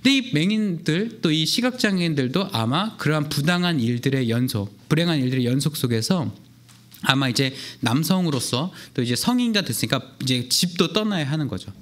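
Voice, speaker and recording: A young youth pastor preaches a sermon with lively storytelling, acting out the voices of the people in the story. His pitch is fairly high and his pace brisk.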